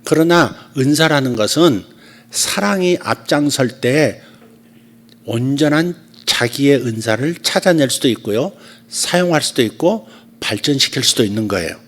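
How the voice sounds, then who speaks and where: Man, pastor, conversational sermon, storytelling, middle pitch, loud and soft swings. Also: lively intonation, normal speed. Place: church service.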